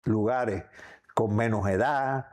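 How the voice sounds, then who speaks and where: An older man with a Cuban accent, giving reflective personal testimony as an interview guest, in halting, rambling phrases. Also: fairly low pitch, darkish tone. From Cuba. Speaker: interview guest recounting memories.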